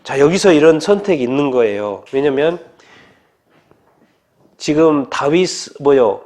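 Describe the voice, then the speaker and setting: A man's voice: on the high side, expressive, measured pace, darkish tone. A male pastor preaching a storytelling sermon, asking many rhetorical questions.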